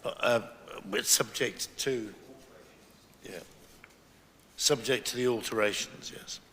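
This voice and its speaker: A man chairing a council committee meeting, his voice hoarse and breaking up, moving through business in a brisk, procedural way. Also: mid-range voice, fairly bright tone. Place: council chamber. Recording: reverberant chamber webcast.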